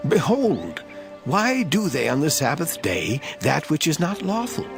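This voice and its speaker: A man's voice: a little high, wildly swooping pitch, measured pace, vocal fry, full character voice. A man playing an indignant, accusing Pharisee in a dramatized scripture reading. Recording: music behind the voice.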